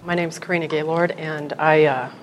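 A middle-aged woman from Colorado speaks in a conversational way, peppering her talk with "you know". Her voice sits very low for a woman. A faint hiss of noise lies under her. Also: fairly even intonation, normal speed, poor audio. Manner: chatty, frequent "you know". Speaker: guest. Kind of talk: conversational interview.

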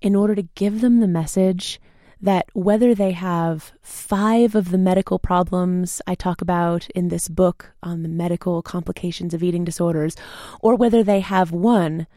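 Interview guest: a woman, low and mellow, articulate and explanatory, dry studio sound. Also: fairly even intonation, moderate pace, dry recording. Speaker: physician, author guest.

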